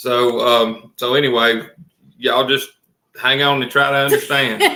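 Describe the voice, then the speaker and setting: A man with a Southern accent speaks at a moderate pace in a flat monotone. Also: medium pitch for a man. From US South, Georgia. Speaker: YouTuber. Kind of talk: casual chat. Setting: livestream.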